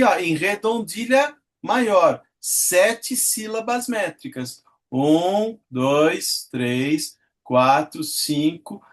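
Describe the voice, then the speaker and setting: Man lecturing on poetry, fairly high voice. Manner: reads poems aloud, counts syllables, asks the audience.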